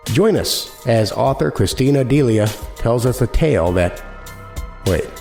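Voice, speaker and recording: A man's voice: medium pitch, expressive, unhurried, creaky, a little mellow, roomy sound, soft background music. A man hosting a podcast, reading a scripted introduction in a casual, chummy, conversational way. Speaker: podcast host.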